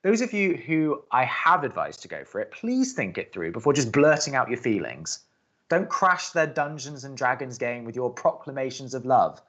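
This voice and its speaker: An actor playing an earnest, flustered young campus radio co-host who talks with fretful, exasperated emphasis. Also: male voice, medium pitch, very animated, moderate pace, a bit bright, muffled recording. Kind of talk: bantering audio drama dialogue.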